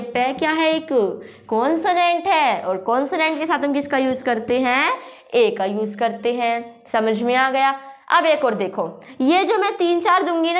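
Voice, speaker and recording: High-voiced woman teaching grammar. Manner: quizzes listeners with repeated questions, spells words aloud. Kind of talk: classroom-style grammar lesson.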